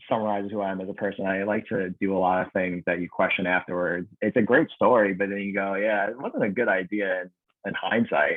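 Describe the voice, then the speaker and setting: In an American accent, a man with a plain, everyday voice talks at a fairly quick pace and a fairly low pitch. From New York, Brooklyn. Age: 20s. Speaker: accountant, podcast guest. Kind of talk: casual chat.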